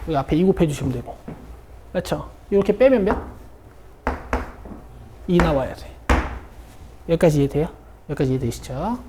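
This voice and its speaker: A South Korean woman teaches math in an academy classroom, working through a problem and repeatedly checking in with her students. Her voice is deep and animated, moving at a moderate pace with frequent pauses. The background is noisy.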